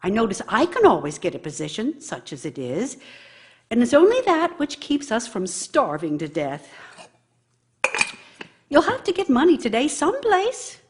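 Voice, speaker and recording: High-pitched, scolding, bitter wife. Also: female voice, wildly swooping pitch, normal speed. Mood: scornful, exasperated. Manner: scolding, sarcastic, theatrical. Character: bitter, nagging, scornful wife of an idle husband. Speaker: actor in a radio play. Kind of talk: radio drama monologue.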